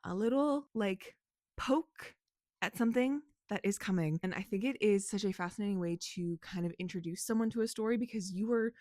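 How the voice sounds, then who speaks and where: A woman vlogging about books and her writing in a casual, animated way, laughing and swearing often, her voice a little hoarse. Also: medium pitch, a little fast, no echo, studio quality. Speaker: book vlogger and author. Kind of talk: casual chatty vlog.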